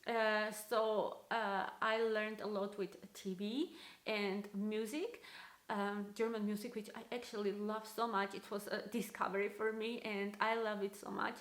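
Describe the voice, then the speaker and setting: A woman's voice: medium pitch, level tone, measured pace. A woman in her thirties with a strong Armenian accent, chatting casually to camera as a vlogger with many fillers. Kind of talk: casual vlog talk to camera. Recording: echoey room.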